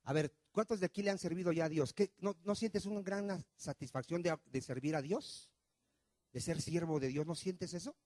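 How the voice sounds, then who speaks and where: A man preaching a sermon as pastor, firing questions at the congregation and swinging between loud and soft. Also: fairly high pitch, moderate pace, no echo. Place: church.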